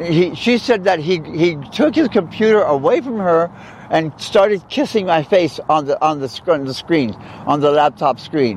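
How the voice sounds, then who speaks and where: A man with an American accent uses lively intonation at a high pitch, with noticeable background noise. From South Texas. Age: 60s. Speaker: transgender body modification enthusiast. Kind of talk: interview. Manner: halting.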